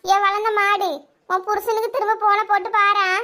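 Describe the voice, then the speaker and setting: A woman's voice: extremely high pitch, little pitch movement, normal speed, pushed and bright. A woman playing a caring, motherly village neighbour who soothes and coaxes the others. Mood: soothing. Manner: soothing, motherly, calls others by pet names. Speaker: neighbour Gomathi. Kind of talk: village family drama acting.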